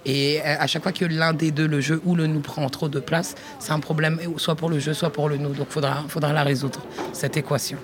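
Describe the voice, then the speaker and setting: A woman's voice: low-pitched, little pitch movement, brisk, crowd noise. A woman researcher giving a reflective talk at a workshop, thinking aloud with many restarts and speaking to the listener informally.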